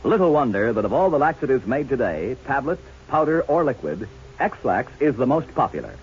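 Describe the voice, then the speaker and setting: A man's voice: mid-range voice, very animated, fairly quick, slight background noise. A man reading a 1950s radio commercial as an announcer, in a chipper, salesmanlike way. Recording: muffled old radio broadcast.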